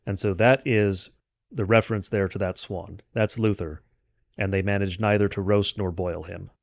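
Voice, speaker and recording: A man delivering an explanatory history lecture in a measured, didactic way with formal phrasing. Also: low voice, steady tone, vocal fry, no room sound. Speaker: host of a church history podcast. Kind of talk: explanatory lecture, semi-scripted narration.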